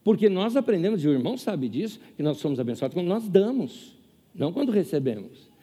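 Animated preacher in an echoey hall. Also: male voice, high voice, quick pace, breathy edge. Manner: animated, acts out quoted voices. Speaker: pastor. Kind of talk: sermon with storytelling.

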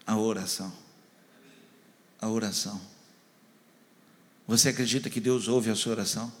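A man, a pastor, preaching a sermon and telling a story with animated dialogue. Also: fairly low pitch, moderate pace. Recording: long hall reverb.

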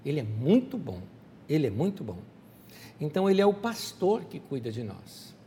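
A man preaching a sermon as a pastor, animated and speaking straight to his listeners. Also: on the high side, normal speed, big-room sound, a little hiss or hum.

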